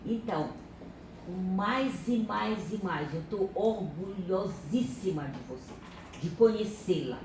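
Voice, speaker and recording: A woman's voice: mid-range voice, animated, slow. An older woman from Pará with a Pará accent, speaking earnestly in a group meeting and repeating herself for emphasis. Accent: Pará Brazilian Portuguese. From Pará, Brazil. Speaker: reading circle participant. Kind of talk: casual remarks in a group meeting. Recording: echoey room from far off, noisy.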